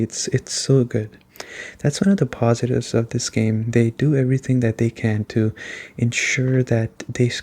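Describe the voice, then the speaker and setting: Soft-spoken man, low-key and even-toned. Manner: casual, conversational. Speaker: video game reviewer. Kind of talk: soft-spoken ASMR game review.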